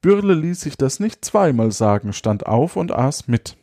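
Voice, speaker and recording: A man reading an old fairy tale aloud at an unhurried pace, breaking off now and then with chuckles and asides. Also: mid-range voice, very animated, warm tone, no echo, clean studio sound. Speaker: storyteller.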